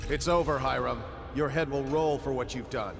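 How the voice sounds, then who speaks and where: A man voicing a stern guard captain, curt and commanding, with clear music playing behind and a hall's reverb, in a video game. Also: medium pitch, moderate pace, lightly acted.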